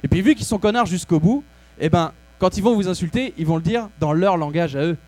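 A man's voice: sits high, a little fast, a little mellow. A man hosting a comedy show, delivering a crude, rambling, mock-serious monologue. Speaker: comedy host. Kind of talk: comic monologue.

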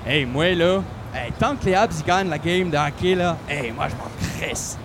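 A man's voice: a little high, animated, moderate pace, background noise. A man voicing a laid-back male hockey fan from the street, with a Quebec French accent and slangy, drawling speech. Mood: indifferent.

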